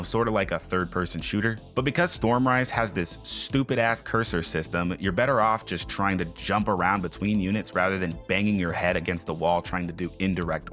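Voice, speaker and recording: Man, low voice, scathing sarcastic critic, blunt swearing, scripted game review narration, music behind. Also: a bit bright. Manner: blunt, profane.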